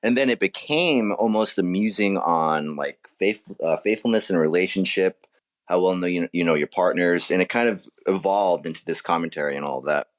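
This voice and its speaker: A man's voice: deep voice, moderate pace. A man speaking casually as an interviewed author, reflecting on and explaining his own work.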